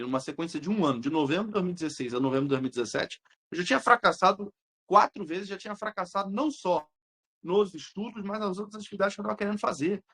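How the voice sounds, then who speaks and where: A young man with a Brazilian Portuguese accent, an exam-prep teacher talking casually with his students, blunt, slangy and quick to swear. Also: a little high, a bit bright, breathy edge. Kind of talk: casual live chat answering students.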